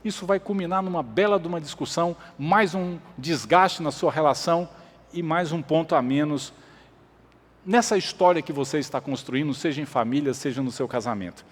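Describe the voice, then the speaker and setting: A man's voice: on the high side, normal speed, in a large hall. A man preaching a sermon as pastor, emphatic, repeating his points and asking the congregation questions. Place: church.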